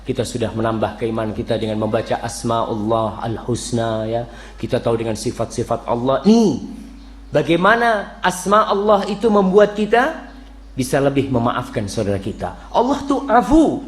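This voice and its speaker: A man preaching a lively morning sermon in a mosque, mixing jokes with recited Arabic verses. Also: mid-range voice, moderate pace. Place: mosque hall. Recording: roomy mosque echo.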